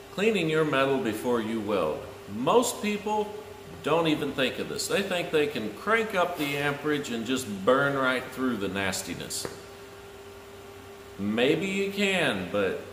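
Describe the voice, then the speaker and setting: A man in his thirties explains things slowly and plainly, as a tradesman teaching on camera. His voice rings around a big, echoey shop, with clear noise behind him. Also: mid-range voice. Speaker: welder and video host. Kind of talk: instructional talk to camera. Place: large metal-walled welding shop, indoors.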